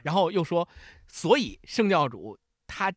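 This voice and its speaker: Male podcast panelist, higher-pitched and very lively in intonation, retelling stories in detail for a casual book chat. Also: measured pace, no echo, studio quality. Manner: retells scenes in detail, quoting characters. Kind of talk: animated casual book discussion.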